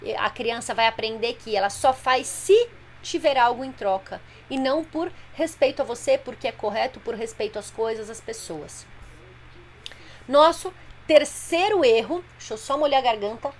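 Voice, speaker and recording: Higher-pitched woman coaching mothers. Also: lively intonation, moderate pace, a little hiss or hum. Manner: explanatory, plain-spoken, addresses viewers directly. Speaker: parenting coach. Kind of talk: live stream talk to mothers.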